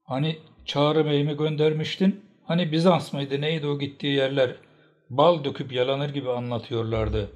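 A man voicing an old tribal matriarch, sharp and scolding as she rebukes the chieftains. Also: a little high, steady tone, normal speed, pitched above the performer's own voice, lightly acted. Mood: angry.

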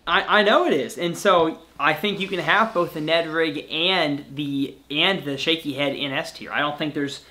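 Bright-voiced young male host on a video call. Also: on the high side, moderate pace, few pauses. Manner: easygoing, playful, wraps up the show. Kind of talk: casual debate over a video call. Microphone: webcam on a video call.

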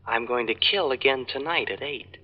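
A man's voice: medium pitch, normal speed, highs cut off, natural voice. An actor playing a gloating madman killer making a menacing threat by phone in an old radio drama. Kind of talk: 1940s radio detective drama acting.

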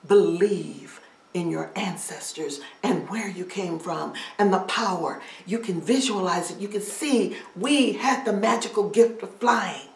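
A woman voicing a gentle, wise old male elder in a told story, speaking in a hushed, urging way. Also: medium pitch, unhurried, creaky, pitched below the performer's own voice. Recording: roomy, from a distance.

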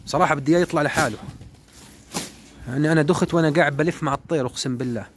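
A man talks quickly and animatedly as he watches his pigeons fly from the loft, often repeating himself. His voice sits a little high. Faint background noise and birds come through the phone recording. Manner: animated, repeats words, calls and hisses at birds. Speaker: pigeon keeper vlogger. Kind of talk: casual running commentary while flying pigeons.

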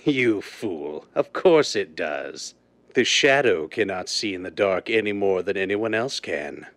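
An actor playing a blind, cold criminal mastermind in a deliberate, commanding, theatrical 1930s radio drama style. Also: male voice, low voice, lively intonation, gravelly, fairly bright tone, dry recording, heavily acted. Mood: contemptuous, boastful. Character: blind, cold, menacing male crime mastermind called the Owl. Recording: noisy vintage-style radio drama recording.

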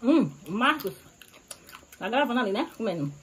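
A woman's voice: fairly high pitch, very animated, normal speed, slightly rough, poor audio. A woman in her thirties from Bahia with a Bahian accent, chatting casually while eating outdoors on a rural porch, recorded by a camera on the table. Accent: Bahian Brazilian Portuguese. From Bahia, Brazil. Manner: chatty, savoring food between remarks. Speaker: food vlogger.

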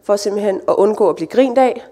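A woman giving a sermon and reading scripture, speaking in a relaxed, conversational way with light asides. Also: mid-range voice. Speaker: church speaker.

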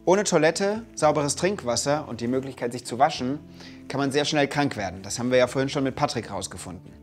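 A man in his thirties hosting a children's education show, talking clearly and enthusiastically to kids in a colorful studio. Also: mid-range voice, expressive, brisk, soft background music. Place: colorful indoor studio set.

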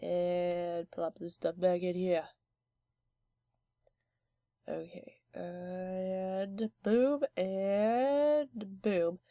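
A woman's voice: fairly low pitch, steady tone, drawn-out words, long pauses, mellow, no room sound. A young woman with a stuffy head cold, hosting a let's play with chatty, rambling commentary full of fillers. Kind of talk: casual gameplay commentary.

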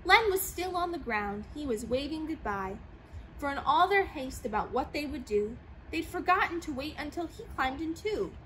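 A young woman reading a rhyming picture book aloud with an expressive, sing-song delivery, seated in an old plane in a large museum hangar. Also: high-pitched, normal speed, slight background noise, low-quality recording. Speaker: storyteller.

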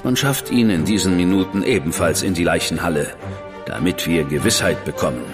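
An actor playing a reserved, measured investigator in a radio drama. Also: male voice, low voice, lightly acted. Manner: measured, dry, withholding. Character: cool, reserved male investigator, brother of a famous detective. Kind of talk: German radio drama acting. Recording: long reverb with music behind.

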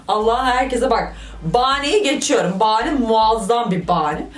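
A woman's voice: a little high, a little slow. Brief: young woman vlogger, exclamatory comic commentary, recorded at a distance from the mic. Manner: animated, joking, exclamatory. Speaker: vlogger reading viewer stories. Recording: roomy, voice from off the mic.

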